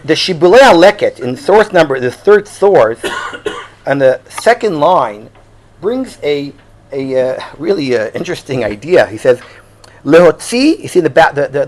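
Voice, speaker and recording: This rabbi, an Israeli Hebrew speaker, gives a casual religious lecture to a group in the room, his voice fairly high. His style is chatty and questioning, peppered with Hebrew and Yiddish words.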